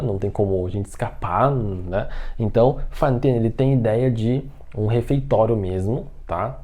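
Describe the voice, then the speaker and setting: A man teaching an online language lesson. He patiently says each new word slowly and more than once, and keeps checking that the listener follows. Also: fairly low pitch, warm tone. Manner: patient, repeats words slowly and checks in often. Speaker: Mandarin teacher.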